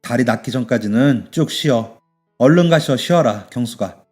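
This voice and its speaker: A man as a gruff fatherly shoe shop boss. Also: medium pitch, animated, normal speed, a little mellow, soft background music, lightly acted. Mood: gruff caring. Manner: blunt, scolding but kind. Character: gruff, fatherly middle-aged male shoe shop owner.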